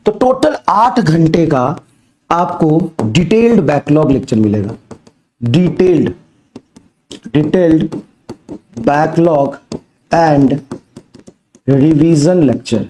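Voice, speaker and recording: A man's voice: animated, slow, dark tone, slight background noise. Feverish male teacher with a cracking voice. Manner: low-energy, repetitive, coaxing rhetorical questions. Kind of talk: recorded online class lecture.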